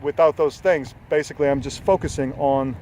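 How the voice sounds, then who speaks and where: A man's voice: a little high, fairly even intonation, a little fast, a little mellow, slight background noise. A man in his forties, a health coach, giving an earnest, rambling motivational talk with many fillers and casual swearing. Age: 40s. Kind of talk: unscripted motivational talk to camera.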